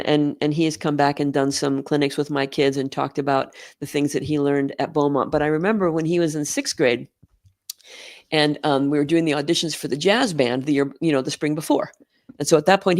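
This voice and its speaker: A woman's voice: deep voice, steady tone, brisk, dry recording. Dry-sounding woman band director telling stories. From Oregon, US. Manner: warm storytelling, laughs easily. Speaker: middle school band director, guest. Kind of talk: conversational interview.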